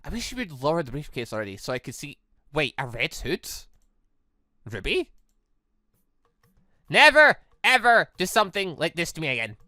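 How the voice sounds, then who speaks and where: A host reads as a young visual novel hero, earnest and a little wary. The delivery is measured, with a bright tone in a dry recording. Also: mid-range voice, sing-song, no room sound.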